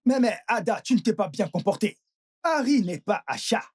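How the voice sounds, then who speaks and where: Woman doing a stammery greedy lady in a dubbed drama, raspy, bouncy pitch. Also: very animated, normal speed, a little mellow. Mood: mocking. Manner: stammering, squabbling. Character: loud, greedy woman chasing her money.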